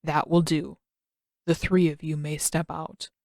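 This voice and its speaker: Woman voicing a stern, low-pitched male tribal elder. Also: level tone, vocal fry, a little mellow, no room sound, studio quality. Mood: formal, reserved. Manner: formal, measured, authoritative.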